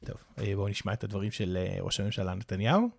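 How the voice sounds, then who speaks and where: A man's voice: fairly low pitch, creaky, a little mellow, faint music behind. A man hosting a casual podcast discussion, asking questions in an inquisitive, playful way. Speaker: podcast host.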